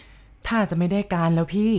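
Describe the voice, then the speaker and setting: A woman voicing a worried village father who speaks slowly and pleadingly. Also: darkish tone, lightly acted. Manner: slow, pleading. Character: worried village father searching for his son.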